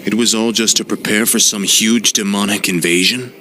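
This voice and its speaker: An actor playing a ruthless fallen prince turned death knight who talks in a cold, proud voice, in a game cinematic. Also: male voice, on the low side, fairly even intonation, normal speed, close to an everyday voice. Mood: probing. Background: orchestral music.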